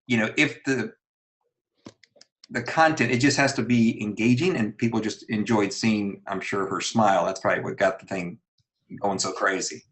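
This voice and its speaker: A man's voice: fairly low pitch, steady tone, moderate pace, fairly bright tone. A man on a panel giving casual advice in an encouraging, reassuring manner.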